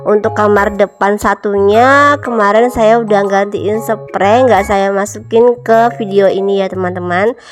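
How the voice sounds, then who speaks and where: A woman in her thirties narrating a home cleaning vlog, her voice a little nasal from a cold, chatting warmly to viewers she calls moms and friends. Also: mid-range voice, fairly even intonation, measured pace. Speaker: home vlogger, mother. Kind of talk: casual chatty voice-over narration. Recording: faint music behind voice-over.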